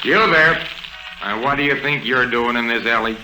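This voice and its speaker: An actor playing a suspicious adult beat cop with blustery, challenging speech in a 1950s radio drama. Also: male voice, mid-range voice, moderate pace, over music, close to an everyday voice. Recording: roomy old radio recording with hiss.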